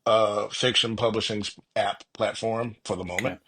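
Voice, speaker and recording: A man's voice: lowish voice, steady tone, normal speed, sharp tone, slightly rough. A man speaking casually as an author guest in an interview.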